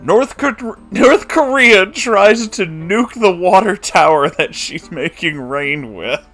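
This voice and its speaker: A man's voice: sits high, lively intonation, takes it slowly, sharp tone, faint music behind. A man giving a comedic recap of a book chapter, exasperated and incredulous, with laughing asides. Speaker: book reviewer.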